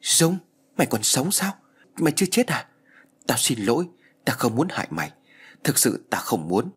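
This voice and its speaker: A man voicing a frightened young woman in a storybook tale, pleading in raised, high cries. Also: sing-song, moderate pace, husky.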